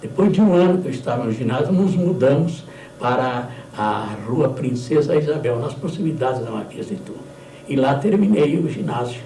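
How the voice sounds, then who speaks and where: At a moderate pace and with lively intonation, a fairly high-pitched man talks through audible room echo and noticeable background noise. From Brazil, interior São Paulo state (Angatuba). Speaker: radio announcer. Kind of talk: testimony.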